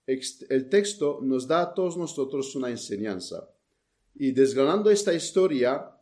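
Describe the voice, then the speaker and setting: A man preaching a sermon in an earnest tone, reading scripture aloud and pausing to explain it. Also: mid-range voice, a little mellow. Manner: earnest, reads scripture aloud with pauses and restarts.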